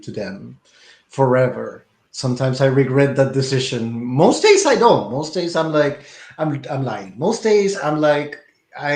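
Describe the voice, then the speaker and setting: A man talks at a middle pitch, thinking aloud and correcting himself as he goes. He slips in dry, wry asides. His voice rings in an echoey room. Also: darkish tone. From Peru. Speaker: guest theater artist. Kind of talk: conversational interview answer.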